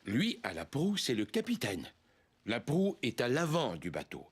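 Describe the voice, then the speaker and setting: A kindly old grandfather in a children's cartoon. He teases and explains playfully, with a lively voice that swings up and down. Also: medium pitch, unhurried, slightly rough, full character voice. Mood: explaining.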